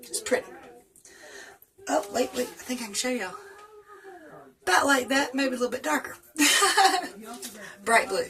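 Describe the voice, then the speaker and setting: A woman's voice: high-pitched, lively intonation, unhurried, long pauses, pushed and bright. A woman in her late thirties with a Southern US accent, chatting casually and laughing often while answering tag questions. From North Carolina. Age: 30s. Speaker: vlogger.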